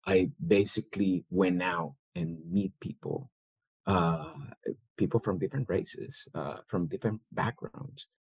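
Low-voiced man, dry close mic. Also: big pitch swings, measured pace, gravelly, breathy edge, dry recording, rough recording. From El Salvador. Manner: thoughtful, with many fillers and restarts. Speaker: guest, business owner. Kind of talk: interview answers.

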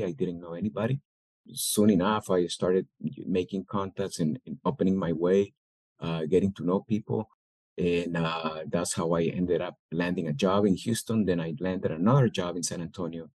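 A business owner from El Salvador answers interview questions as a guest, his low, mellow voice caught on a dry close mic with poor audio quality. He's thoughtful but full of fillers and restarts.

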